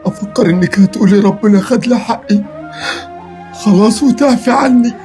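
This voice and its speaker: A woman's voice: mid-range voice, moderate pace, dark tone, faint music behind, close to an everyday voice. A woman doing a frail, disabled old Egyptian father-in-law. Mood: plaintive. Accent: Egyptian Arabic. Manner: plaintive, reproachful.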